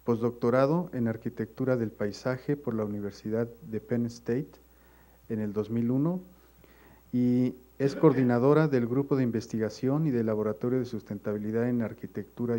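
A man's voice: mid-range voice, dark tone. A man moderating a university seminar, reading a guest's résumé aloud in an auditorium with fillers and small hesitations. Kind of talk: reading a speaker introduction. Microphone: handheld mic, standing at front.

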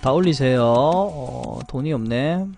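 A young man commentating his game card and pet draws, greeting viewers and chanting loudly when good results come up. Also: mid-range voice, slow pace, creaky, soft background music. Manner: animated, chants and shouts at good pulls. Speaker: game streamer. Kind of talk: excited gacha pull commentary.

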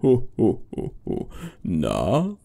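Man putting on a deep, jolly old Santa. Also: huge pitch swings, creaky, mellow, heavily acted. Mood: jolly, insistent. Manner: slow, booming, patronizing to children.

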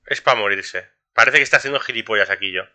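A man's voice: lowish voice, quick pace, bright, forceful tone. A young man streaming a game live, complaining and swearing about his bad luck, repeating himself and ending lines with "tío". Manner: frustrated, complaining, swears a lot. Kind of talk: live gameplay commentary.

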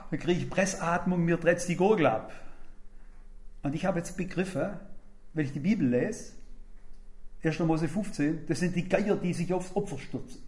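Older male preacher, fairly high voice, emphatic sermon delivery with acted-out quotes. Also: normal speed, long pauses, a little mellow.

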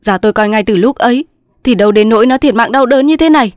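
A woman voicing a young male resistance soldier, pleading in loud sobbing outbursts in a storybook reading. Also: fairly high pitch, quick pace, no room sound, clean studio sound, pitched above the performer's own voice, natural voice. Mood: grieving.

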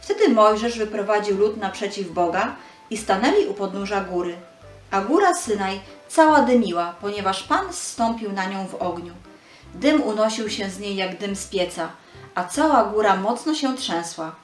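A woman's voice: medium pitch, animated, moderate pace, roomy sound, soft background music. A woman giving a scripted narration of a Bible story for children.

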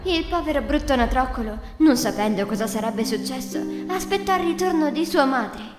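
A woman's voice: sits high, lively intonation, fairly quick, reverberant, big-room sound, over loud music. A woman narrating a children's fairy tale in a scripted storybook style.

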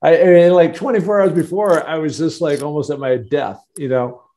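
A man in his fifties, a guest on a video-call interview, telling a long story in an animated, rambling way with many restarts. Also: fairly high pitch, normal speed. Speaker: interview guest, former football player. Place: home office with wood cabinet. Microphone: earbud headset on video call.

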